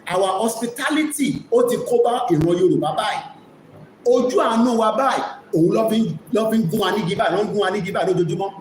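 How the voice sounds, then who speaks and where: A man's voice: sits high, very fast. A man with a Nigerian Yoruba accent hosting a live commentary, speaking emphatically and repeating key phrases. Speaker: host of an online media broadcast. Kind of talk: live commentary mixing two languages. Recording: echoey room with faint noise.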